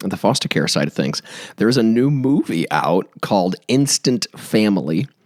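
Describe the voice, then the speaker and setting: Recorded with a dry, close sound and no echo, a man's voice swings very widely in pitch. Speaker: podcast host. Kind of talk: podcast outro monologue.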